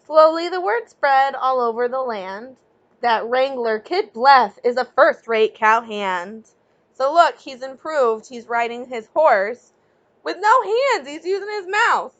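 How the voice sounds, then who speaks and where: A woman's voice: high-pitched, muffled recording. A woman teacher reading a children's picture book aloud expressively, stepping out of the story to chat with young listeners. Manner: expressive, pausing to ask young listeners questions and explain.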